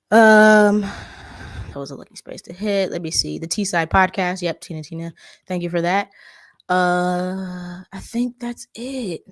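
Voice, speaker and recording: A woman's voice: mid-range voice, no echo, studio quality. Chatty African American woman livestreaming. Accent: African American Vernacular English. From California Bay Area. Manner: chatty, uses many "like" fillers, animated asides. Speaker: livestream host. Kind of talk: casual livestream chat, reading viewer comments.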